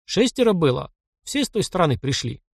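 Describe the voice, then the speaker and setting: Seasoned taiga hunter, voiced by a man, blunt, proud, simple phrasing, slightly high. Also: very animated, brisk, vocal fry, slightly rough, dry recording, studio quality, exaggerated voice.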